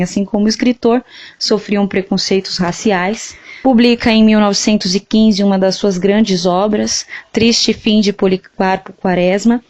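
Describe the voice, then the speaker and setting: A woman's voice: medium pitch, a little mellow. A woman with a Brazilian accent giving a prepared explanation as a literature teacher and interview guest. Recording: dull, lo-fi band-limited sound.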